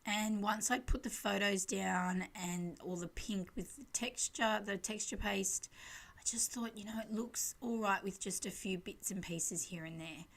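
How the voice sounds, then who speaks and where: A woman's voice: medium pitch, measured pace, fairly bright tone. A woman giving a casual, chatty and rambling scrapbooking voice-over as the host, with a self-deprecating way of talking. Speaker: craft channel host.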